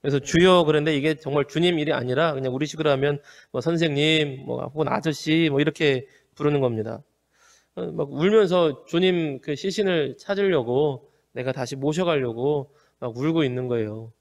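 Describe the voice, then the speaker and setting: A male pastor preaching an earnest, measured sermon with frequent hesitant fillers. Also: on the high side, in a large hall. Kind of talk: home worship sermon.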